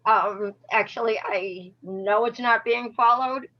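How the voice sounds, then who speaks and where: A woman's voice: a little high, takes it slowly. A woman with a Boston-area accent chairing a town meeting, her voice strained by allergies, hesitant and often restarting. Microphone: video call. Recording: muffled video call audio.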